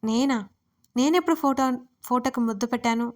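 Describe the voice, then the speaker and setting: A woman's voice: on the high side, fairly quick, darkish tone, lightly acted. A woman voicing a shy, sulky young woman who pleads and whines in an audio story. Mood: pleading. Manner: coy pleading, whiny.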